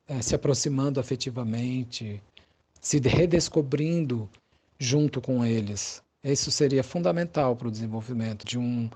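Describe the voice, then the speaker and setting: A Brazilian man, a psychologist being interviewed, gives conversational explanations in a thoughtful, halting way, searching for his words. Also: medium pitch, dark tone.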